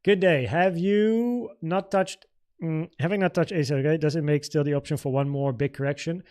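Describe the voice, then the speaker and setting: A native Dutch speaker from the Netherlands in his thirties hosts a casual trading livestream, thinking aloud informally as he fields viewer questions and offers market commentary. His voice is a little high and darkish, with a steady tone and moderate pace.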